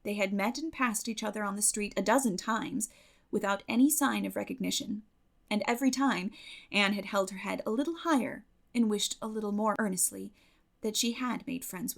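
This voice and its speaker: A woman audiobook narrator reading literary fiction expressively, with measured storytelling phrasing. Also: mid-range voice, vocal fry.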